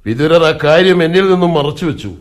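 A man's voice: on the high side, a little fast, natural voice. A man playing an aging, anxious king who questions his advisor with suspicion in a radio play. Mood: troubled. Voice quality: wary, probing, troubled. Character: blind old king Dhritarashtra, anxious and suspicious. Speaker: radio drama actor. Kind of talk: 1980s Malayalam radio drama acting.

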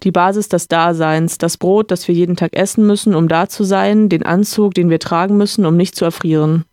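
A podcaster reading a novel aloud, voicing a calm, reflective gentleman who lectures his friend in a slightly raised voice. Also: medium pitch, brisk, no room sound, studio quality, lightly acted. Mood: earnest lecturing.

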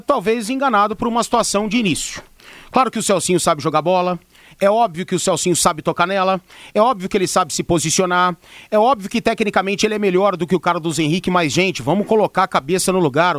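Brazilian man, radio sports commentator, high dry-sounding voice, emphatic opinion delivery with repetition. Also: dry recording. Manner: insistent, emphatic, repeats for emphasis.

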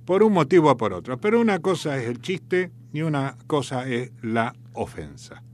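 Chatty Argentine radio host, rambling. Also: male voice, mid-range voice, very animated, moderate pace, slight background noise. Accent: Argentine Spanish. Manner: chatty, rambling, folksy storytelling. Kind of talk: casual radio chat.

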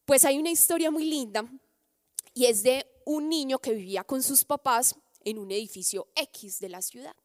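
A woman teaches about prayer and tells a story to illustrate it. Her voice sits a little high and is gentle, and her phrases often trail into a near whisper. The recording is dry and close. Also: no room sound, in a large hall. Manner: gentle, soft, dropping to a hush at phrase ends.

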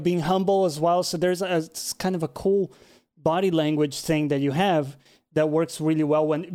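A man hosts a relaxed interview over a video call with a fairly high voice. He chats freely, thinks out loud, and drops the occasional casual swear. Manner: friendly, chatty, swears casually. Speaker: interview host, YouTube channel.

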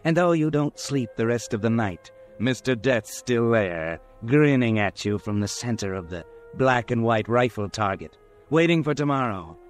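Suspense narrator: male actor as grim, taunting storyteller, mid-pitched, faint music underneath. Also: animated, normal speed, natural voice. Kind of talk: old-time radio suspense narration in second person.

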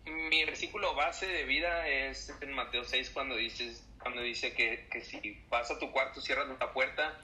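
A young Mexican man in his twenties with a very bright, forward voice. He tells stories in a relaxed interview and acts out the people in them. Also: mid-range voice, a little slow, few pauses, slight background noise, poor audio. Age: 20s. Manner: animated storyteller, acts out voices. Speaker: church musician. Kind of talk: casual interview storytelling.

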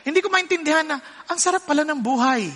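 A male pastor preaching in a very high, bright voice. He mixes in English and keeps asking the congregation if they follow. His voice rings with the long reverb of a hall. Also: fast. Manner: switches between Tagalog and English, asks the congregation questions. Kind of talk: sermon.

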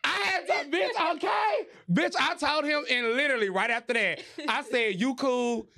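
A man hosting a podcast, telling a story in casual chat, animated and profane, laughing as he goes. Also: very high voice, normal speed, gravelly. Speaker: podcast host.

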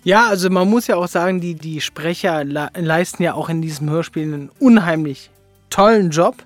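A man's voice: a little high, normal speed, dry recording, soft background music. A man hosting a casual podcast interview in a jokey, slangy, informal way. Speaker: podcast host.

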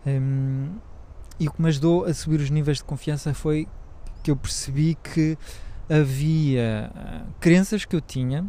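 Rambling casually on his own podcast, this man hesitates often and leans on fillers. His Portuguese carries a French accent, and his warm, slightly high voice moves unhurriedly.

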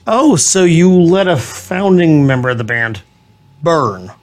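A man's voice: fairly high pitch, very animated, takes it slowly, a little mellow. A man with a New England accent, co-hosting a casual chat and cracking sarcastic jokes. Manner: sarcastic, jokey, puts on voices. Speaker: co-host. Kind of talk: casual chat over drinks.

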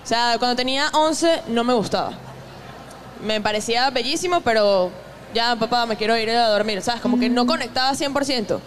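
A woman's voice: on the high side, moderate pace. A young woman with a Venezuelan accent speaks as a podcast guest. She is chatty and thoughtful, often restarting her sentences. Faint background noise sits under her voice. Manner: chatty, reflective, many restarts. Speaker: guest musician, maraca player. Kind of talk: casual conversation.

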